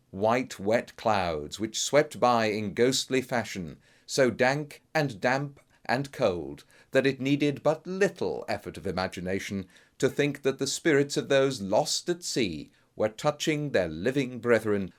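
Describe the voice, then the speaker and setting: A man narrating a classic Gothic tale in a theatrical, grave and suspenseful manner, as a melodramatic audiobook reading. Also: medium pitch. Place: recording studio.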